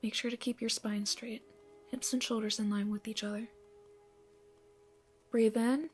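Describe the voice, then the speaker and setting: A woman playing a gentle, encouraging yoga instructor in an ASMR roleplay, giving soothing, breathy instructions that often soften toward a whisper. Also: a little high, steady tone, a little slow, faint music behind. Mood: calm, encouraging. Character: gentle, encouraging female yoga instructor leading a morning class.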